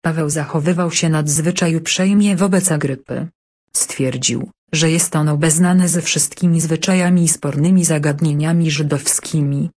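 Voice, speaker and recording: A woman reads scripture aloud in an even, measured way. Her voice sits low and has a husky edge. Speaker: scripture reader. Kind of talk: scripted Bible reading and study narration.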